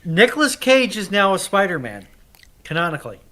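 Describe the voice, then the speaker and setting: A man's voice: high voice, very animated, brisk, pushed and bright. A man on a panel, chatting casually. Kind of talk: casual chat.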